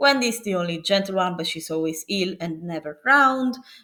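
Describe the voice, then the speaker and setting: A woman with a non-native accent keeps up a moderate rate of speech. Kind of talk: class presentation pitch. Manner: hesitant, many fillers.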